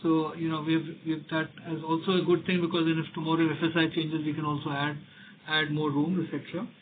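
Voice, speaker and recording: On a tinny phone line with background noise, a company executive with an Indian accent answers investors during an earnings call. His voice sits on the high side, level in tone, and he speaks quickly, often repeating words as he explains.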